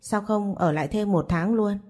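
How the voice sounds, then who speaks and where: A woman's voice: medium pitch, normal speed, warm tone, close to an everyday voice. A woman voicing a scheming young woman who feigns friendliness, in a storybook reading. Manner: falsely friendly.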